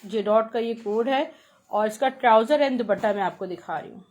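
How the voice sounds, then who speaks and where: A woman with a Pakistani accent giving a live sales pitch for clothes in chatty teleshopping patter, repeating her praise and prices. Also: a little fast, darkish tone, slight background noise. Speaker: live online clothing seller.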